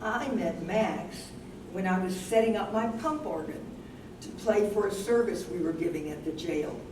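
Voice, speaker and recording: An older woman playing a candid, reflective wife living with Alzheimer's in a staged reading, speaking deliberately. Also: mid-range voice, close to an everyday voice. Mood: reminiscing. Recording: roomy, distant, noisy live stage recording.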